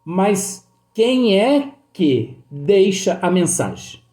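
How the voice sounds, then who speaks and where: A man with a Brazilian Portuguese accent who teaches slowly and patiently, going back over each point. His voice is mellow and dark, at a middle pitch. He sounds like he is in an echoey room. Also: big pitch swings. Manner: slow, repeating and explaining, with many fillers. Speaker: spiritist teacher. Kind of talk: slow study talk reading and explaining a book.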